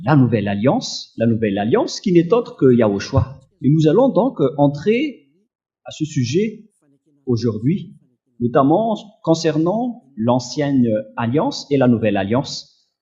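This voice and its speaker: Slow and emphatic, a male preacher teaches in a sing-song manner, his dark, mellow voice swinging widely in pitch. He often hesitates and coughs slightly, captured in dull, lo-fi audio.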